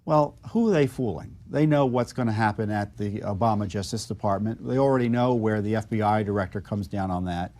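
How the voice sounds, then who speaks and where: A man with an American accent speaking off the cuff as a political commentator, measured and halting, making pointed arguments. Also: fairly low pitch, darkish tone.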